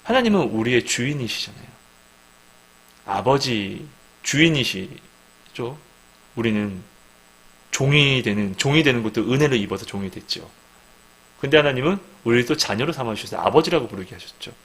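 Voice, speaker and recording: A man's voice: mid-range voice, animated, moderate pace, long pauses, a bit bright, rough recording. Guy giving a casual sermon, voice goes up and down a lot, keeps asking the room questions, faint hum behind. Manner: asks the listeners questions and acts out quoted dialogue. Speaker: Christian speaker giving a devotional talk. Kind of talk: informal sermon.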